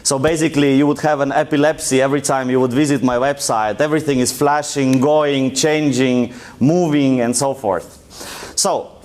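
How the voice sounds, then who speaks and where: A man's voice: mid-range voice, fairly even intonation, moderate pace, a little mellow. A young man from Russia with a thick Russian accent, giving a joking, loosely told presentation to an audience in a lecture room. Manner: casual, joking, loose storytelling. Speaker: conference speaker. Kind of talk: live presentation talk.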